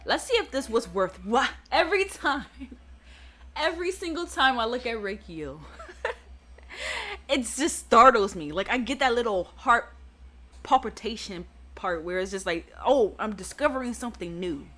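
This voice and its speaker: A woman hosting a let's play, giving excitable game commentary that often stammers and reacts out loud. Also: a little high, measured pace, faint music behind.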